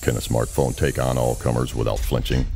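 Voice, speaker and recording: A man's voice: rumbling low, level tone, a little fast, creaky, a little mellow, slightly rough, pitched below the performer's own voice, heavily acted. A man performing a cool, confident commercial announcer in a scripted voice-over. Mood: cool, punchy.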